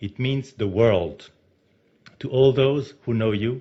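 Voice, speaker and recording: A somewhat breathy male voice with a French accent, a fairly slow pace and ordinary pitch variation. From France. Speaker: diplomat. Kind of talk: formal speech. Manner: formal.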